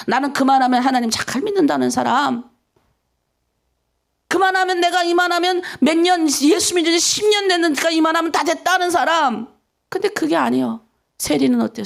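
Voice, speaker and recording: A woman's voice: sits high, creaky. A woman pastor from North Korea with a North Korean accent, preaching an emphatic dawn prayer sermon and acting out pleading prayers.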